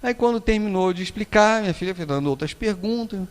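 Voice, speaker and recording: Brazilian male lecturer, high voice, animated storyteller, echoing hall. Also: quick pace, clear, resonant tone. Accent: Brazilian Portuguese. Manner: storytelling, acts out quoted voices, frequent tag questions. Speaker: spiritist lecturer. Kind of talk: public lecture with anecdotes. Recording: long hall reverb.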